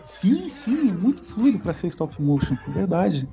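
A man's voice: high voice, big pitch swings, measured pace, vocal fry, dark tone, dull audio. A young Brazilian man chatting casually as co-host of a podcast, laid-back and slangy, laughing often.

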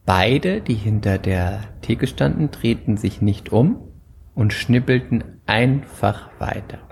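A man's voice: lowish voice, takes it slowly, creaky, slight background noise. A man from Thuringia in eastern Germany telling an anecdote in a casual chat, acting out the quotes and using many fillers. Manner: animated storyteller, acts out quotes, many fillers. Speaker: actor and podcast guest.

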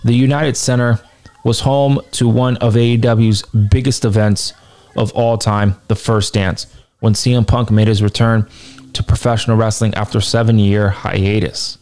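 Hoarse, tired man with a lowish voice. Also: level tone, normal speed, a little mellow. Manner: emphatic, repeats points for stress. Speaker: wrestling news commentator. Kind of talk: reading an announcement, then giving his opinion.

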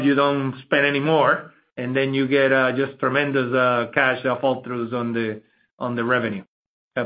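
A man speaking as a finance executive, explaining things conversationally on an earnings call. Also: mid-range voice. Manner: conversational, explanatory, checks with "right?". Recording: slightly muffled conference call audio.

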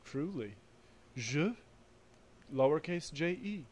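A woman's voice: low-pitched, expressive, slow, darkish tone. A young adult woman co-hosting a podcast, chatting casually and telling stories with frequent laughter. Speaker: podcast co-host. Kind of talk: casual chat.

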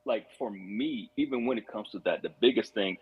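Man, from Rwanda, podcast guest, reflective, earnest, husky voice, muffled lo-fi recording. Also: on the low side, normal speed. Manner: reflective, earnest storytelling with frequent restarts. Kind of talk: casual podcast conversation. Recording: muffled lo-fi audio.

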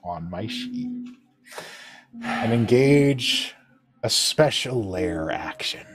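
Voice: mid-range voice, huge pitch swings, drawn-out words, soft background music. A game master narrating a tabletop role-playing game among players.

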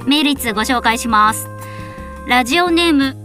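A woman's voice: high-pitched, expressive, normal speed, over music. A woman in the style of a live radio host, talking to listeners and reading their mail.

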